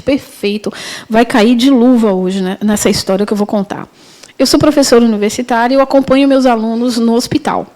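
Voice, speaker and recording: A middle-aged woman teaches a spiritist course. Her voice sits high, with a mellow, warm tone. She talks in a loose, conversational way, often restarting and correcting herself. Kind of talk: storytelling lecture.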